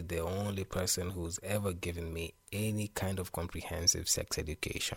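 The recording is very clean, with a silent background. A man with a very deep, low pitch speaks somewhat breathily at a moderate pace, his intonation fairly even. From Kenya. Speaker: podcast host. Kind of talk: personal storytelling.

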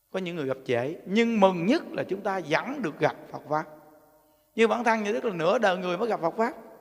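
A high-pitched man at a very fast pace, lively intonation throughout. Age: 60s. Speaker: Buddhist teacher giving a dharma talk. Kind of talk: dharma talk. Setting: temple hall with audience.

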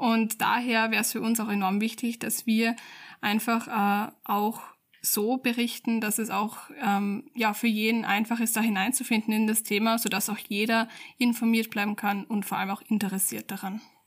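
A somewhat breathy woman speaks at a fairly high pitch with monotone, flat intonation. Her recording is very clean, the background silent. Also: moderate pace. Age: 20s. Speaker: podcast co-host, medical student. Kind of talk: casual chat.

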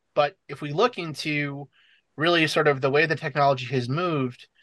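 Here is a normal speaking voice with an American accent and ordinary pitch variation. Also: man. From New York City area. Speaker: scientist. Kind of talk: casual interview chat. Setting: video call.

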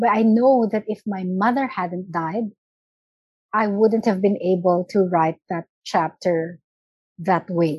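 Ordinary pitch variation in a somewhat breathy woman's voice, fairly slow in pace. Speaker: creative writing professor and writer. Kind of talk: interview. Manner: hesitant, many filler sounds.

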